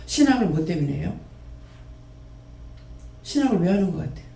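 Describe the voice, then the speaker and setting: A prayer house leader preaches, scolding listeners with a stream of rhetorical questions in a high-sitting, gravelly, mellow voice. The recording has roomy echo, with the mic placed at a distance.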